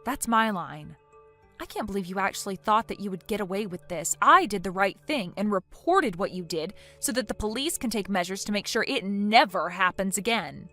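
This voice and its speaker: A woman voicing a calm, resolute young woman who speaks in a cold, measured, firm way. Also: mid-range voice, soft background music.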